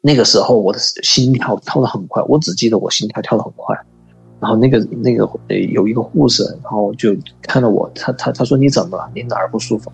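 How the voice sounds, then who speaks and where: Gravelly guy telling his ghost story on a call, stops and repeats himself a lot, soft music under it. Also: medium pitch, low-quality recording. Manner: halting, repeats words, slow and earnest. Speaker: caller.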